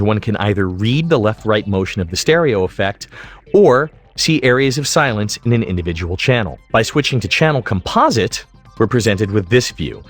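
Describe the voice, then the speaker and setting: A man giving an explanatory tutorial voice-over as an instructor, speaking in a measured, methodical way. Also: fairly low pitch. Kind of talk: explanatory screen-recording narration.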